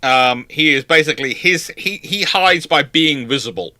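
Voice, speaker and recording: A man's voice: fairly high pitch, animated, moderate pace, sharp tone. A British man in his forties hosting a casual live question-and-answer chat, rambling and emphatic in his opinions. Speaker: live stream host.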